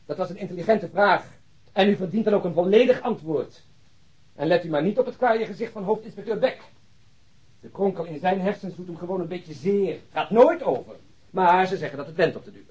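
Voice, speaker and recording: An actor playing a cynical police detective in a radio play, long-winded and mockingly polite. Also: male voice, a little high, breathy edge. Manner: sardonic, long-winded monologue, mock politeness. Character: cynical, ranting, sarcastic male police detective colleague. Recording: muffled, dull radio play recording.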